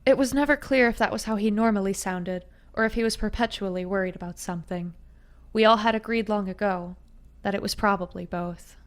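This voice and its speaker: Woman reading a fantasy story out loud, steady and even, middle pitch. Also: fairly quick. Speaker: narrator. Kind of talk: first-person fantasy audiobook narration.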